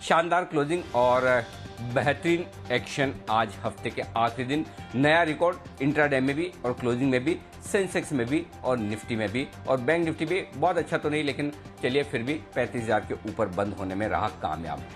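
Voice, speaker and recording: A man with an Indian accent presenting live market news, announcing upcoming shows in a brisk manner with punchy slogans. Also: mid-range voice, faint music behind. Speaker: news anchor.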